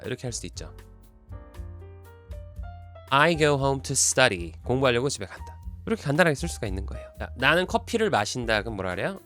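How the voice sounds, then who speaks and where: A man giving an online English lesson. He keeps quizzing the viewer and slows down to spell out each example sentence. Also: medium pitch, a bit bright. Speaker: English teacher.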